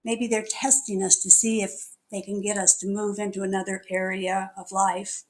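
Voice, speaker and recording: A woman's voice: medium pitch, flat delivery, normal speed, a little mellow. A middle-aged woman minister delivering a sermon, telling a personal story in a chatty, candid way and laughing at herself. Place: spiritual center meeting hall.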